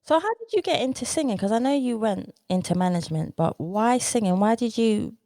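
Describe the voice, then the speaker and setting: A woman's voice: fairly high pitch, lively intonation, a little fast, dark tone, no echo, clean studio sound. A woman hosting a podcast interview, asking casual questions and rephrasing them as she goes. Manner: encouraging, repeats and rephrases questions. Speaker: podcast host.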